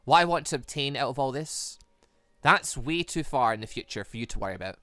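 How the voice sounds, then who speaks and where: A man voicing a menacing, manipulative young woman villain in a visual novel, deliberate and coolly playful. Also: mid-range voice, expressive, a bit bright, no echo, natural voice. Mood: sly, taunting. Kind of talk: visual novel character read-aloud.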